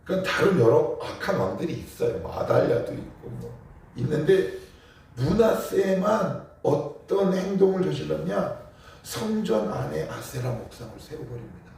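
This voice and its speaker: A man, a pastor, preaching at a morning prayer service, animated and emphatic, with rhetorical questions to the congregation. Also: a little high, moderate pace, gravelly. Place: church sanctuary. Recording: echoey church hall, mic at a distance.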